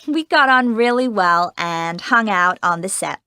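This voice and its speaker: A woman playing a cheerful American teenage girl actress in a scripted interview, chatty and quick to laugh, with an American accent. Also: mid-range voice, animated, pushed and bright, clean tone, no room sound. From United States. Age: teens. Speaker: young film actress being interviewed. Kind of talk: scripted exam-recording interview.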